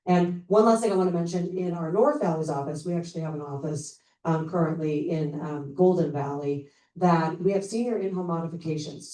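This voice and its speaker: Low-voiced woman presenting at a meeting. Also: warm tone. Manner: upbeat, informal, many fillers. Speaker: charity program representative. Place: public meeting room. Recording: roomy distant meeting-room mic.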